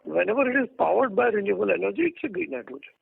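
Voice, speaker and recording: High, very creaky Indian man. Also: expressive, very fast. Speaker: company executive answering questions. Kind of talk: explanatory answers on an earnings call. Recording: noisy, narrow phone line.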